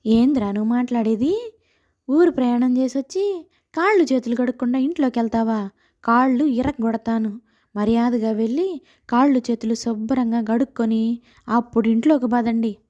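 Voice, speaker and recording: A woman voicing a strict, bossy old village grandmother who scolds and threatens in an animated moral story. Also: a little high, moderate pace, dull audio, pitched below the performer's own voice, natural voice. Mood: scolding.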